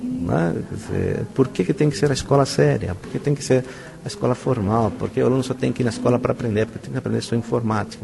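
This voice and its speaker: A man's voice: medium pitch, creaky. A middle-aged Brazilian man, a professor, answering interview questions in an enthusiastic, emphatic way with rhetorical questions. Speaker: university professor being interviewed. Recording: crowd chatter around the voice. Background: crowd chatter.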